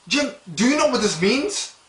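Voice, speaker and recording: Man as male TV weatherman, high, exclamatory, suspicious, agitated, slightly distant mic. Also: very animated, normal speed, fairly bright tone, echoey room, exaggerated voice. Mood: alarmed. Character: excitable, paranoid male TV weatherman. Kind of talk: news broadcast parody.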